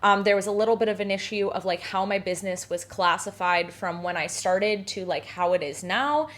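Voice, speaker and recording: A woman's voice: mid-range voice, brisk, a bit bright. A woman in her thirties from Southern California with a Southern Californian accent, answering viewer questions in a casual, self-deprecating vlog full of "like". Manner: chatty, self-deprecating, filler-heavy with frequent "like". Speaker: home baker and vlogger.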